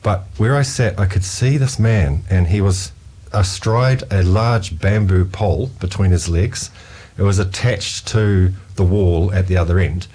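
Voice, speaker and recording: A man recounting a food trip in a relaxed, animated storytelling way. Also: deep voice, a little slow. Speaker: guest. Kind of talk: storytelling chat.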